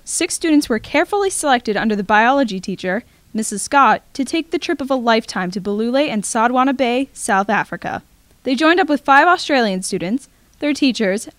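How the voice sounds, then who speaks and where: A teenage girl narrating a scripted school news report in a steady read-out manner. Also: on the high side, dry recording. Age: teens.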